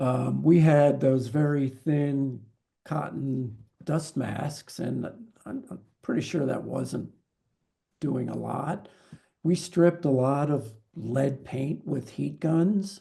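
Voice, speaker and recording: A man's fairly high, somewhat breathy voice with a dark, mellow tone and an American accent, ordinary pitch variation, a very slow pace and long, frequent pauses. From Maryland, US. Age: 60s. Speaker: construction business owner. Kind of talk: interview.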